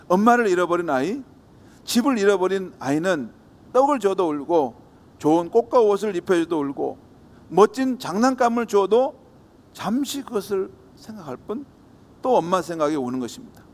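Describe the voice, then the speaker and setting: A pastor preaching a Sunday sermon, telling a story and acting out the characters' voices. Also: male voice, high voice, sing-song, normal speed, a little mellow. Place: church sanctuary. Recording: long church hall reverb.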